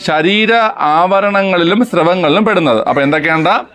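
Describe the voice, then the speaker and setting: A man with a notably high, bright-edged voice runs a quick quiz-style lesson. He fires questions, repeats answers back, and jokes with his students. It is recorded outdoors with crows around. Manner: drills students with questions and repetition, teasing banter. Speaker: exam coaching teacher. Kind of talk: classroom quiz-style teaching.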